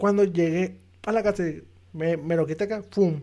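Pitch rises and falls in an ordinary way. The tone comes across dark and mellow. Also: man. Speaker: podcast co-host. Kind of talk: casual chat. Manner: halting.

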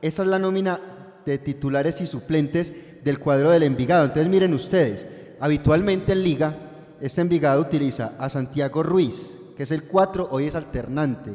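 This man's voice sits fairly high and moves at a moderate pace with ordinary pitch variation. There is noticeable background noise. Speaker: sports radio host. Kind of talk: radio sports talk.

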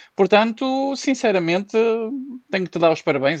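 At a moderate pace, a man speaks with very wide pitch swings in a dry, close sound with no echo. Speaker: political podcast co-host. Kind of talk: casual political debate. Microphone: phone mic, unstable connection.

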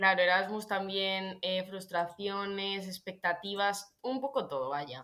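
Pausing hardly at all, a woman talks at a very slow pace and medium pitch with ordinary pitch variation. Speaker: podcast co-host, university student. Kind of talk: casual chat. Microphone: recorded too quiet.

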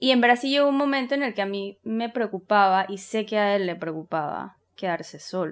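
A woman's unremarkable speaking voice at a medium pitch, with lively intonation and a moderate pace, on a very clean recording with a silent background. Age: 30s. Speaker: psychologist and teacher, podcast co-host. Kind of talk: casual chat.

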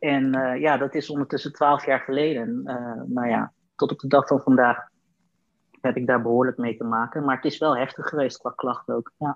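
A man keeps a moderate pace at a medium pitch. He delivers it in a monotone, flat way. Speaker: guest sharing mental health experience. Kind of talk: casual interview. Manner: halting.

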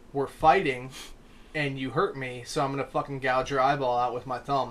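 Monotone and flat, a man's medium-pitched voice moves at a moderate pace. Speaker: podcast co-host. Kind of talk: casual banter, crude humor.

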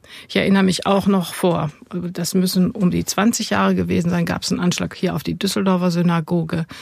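The speaker is a woman with a fairly low pitch. Her voice is somewhat breathy. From Ruhr area, Germany (Essen). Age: 60s. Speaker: politician and educator. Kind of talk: interview. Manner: hesitant, many fillers.

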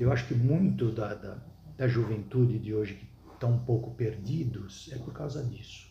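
A man speaks at a moderate pace in a medium pitch, somewhat breathy, with a dark, mellow tone and ordinary pitch variation. His loudness swings widely, and room echo is audible. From Brazil. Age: 60s. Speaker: surgeon and medical professor. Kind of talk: interview.

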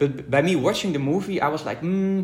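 In a Dutch accent, a man speaks at a high pitch with ordinary pitch variation. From Netherlands. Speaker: AI ethicist and consultant. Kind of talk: interview. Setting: remote call.

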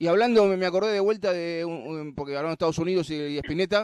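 A man with a Rioplatense accent speaks at a high pitch. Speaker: radio host. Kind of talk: radio interview.

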